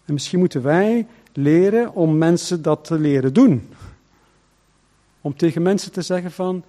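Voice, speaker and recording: A man preaching a sermon as pastor, emphatic and full of rhetorical questions, swinging between loud and hushed. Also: a little high, a little slow.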